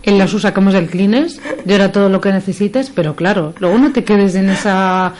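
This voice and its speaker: A woman's voice: mid-range voice, fairly quick, darkish tone. A woman psychologist explaining things on a radio talk show, using everyday examples. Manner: explanatory, gives examples with quoted phrases. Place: radio studio.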